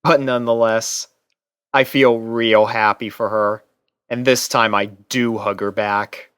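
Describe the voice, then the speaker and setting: A man's voice: fairly low pitch, fairly even intonation, slow pace, a bit bright, clear, resonant tone, no room sound, clean studio sound. A man reading scripted first-person fiction aloud as a story narrator. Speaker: narrator and reader.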